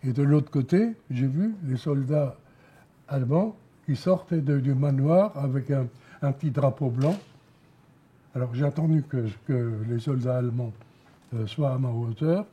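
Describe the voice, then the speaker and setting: An elderly man gives spoken testimony in a very dark, muffled timbre with a husky grain. He speaks haltingly, in short phrases, often repeating a word before he carries on. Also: mid-range voice. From Alsace, France. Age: elderly, around 90. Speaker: war veteran giving eyewitness testimony. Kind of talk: spoken testimony, recounting memories.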